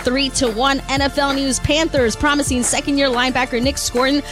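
Brisk woman reading sports scores. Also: high-pitched, steady tone, music in the background. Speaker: radio co-host reading sports updates. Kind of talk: sports news update and banter.

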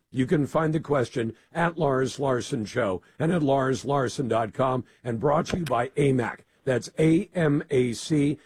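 A man hosting a call-in talk radio show, slightly hoarse with gravel in his voice, blunt and argumentative with callers. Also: medium pitch, a little mellow, no echo.

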